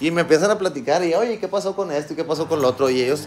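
A man with lively intonation. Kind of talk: casual vlog chat. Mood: warm, grateful, cheerful. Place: home room. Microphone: phone near.

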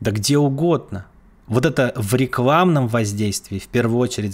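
A man talks fairly slowly. His voice is medium in pitch and varies in an ordinary way. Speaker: online course teacher. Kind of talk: lecture. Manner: slow, with pauses. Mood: animated storytelling. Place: office. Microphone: webcam.

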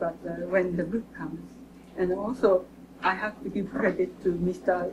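A woman speaks with a Japanese accent. There is noticeable background noise. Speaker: university librarian; lecturer. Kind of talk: lecture. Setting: stage with audience. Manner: halting. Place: classroom. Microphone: camera far.

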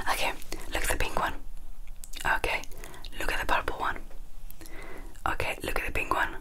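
Whispering at a fairly quick pace, a woman keeps a very even loudness. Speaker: content creator. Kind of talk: role-play instructions to viewer. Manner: soft quiet ASMR instructions. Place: home room.

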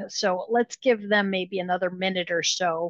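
A woman at a fairly slow pace, dry sound with no echo, quiet background. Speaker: professional association meeting organizer. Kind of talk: meeting introduction. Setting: video call. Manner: halting. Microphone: video call.

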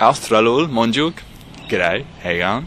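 Over light background noise, a man with a medium pitch speaks with lively intonation in a dry sound with no echo. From Australia. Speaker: language learner teaching Australian slang. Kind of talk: casual talk to camera. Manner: upbeat. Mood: cheerful, joking. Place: open country. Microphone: camera far.

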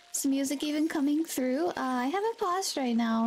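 A quiet woman's voice with ordinary pitch variation and light background noise. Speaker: vtuber streamer. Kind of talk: casual gaming livestream chat. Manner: halting, hesitant. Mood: mildly puzzled, low-key.

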